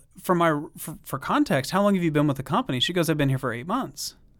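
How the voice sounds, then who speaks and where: A man with a fairly high pitch speaks at a very fast pace in an American accent. The recording is very clean, with a silent background. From Missouri, US Midwest. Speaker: accounting trainer and consultant. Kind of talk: interview. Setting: studio.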